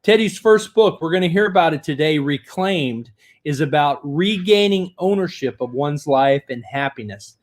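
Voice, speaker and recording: An enthusiastic male host introduces his guest and leads the interview. His voice sits a little higher than most men's. He sounds upbeat and keeps things moving. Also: animated, normal speed.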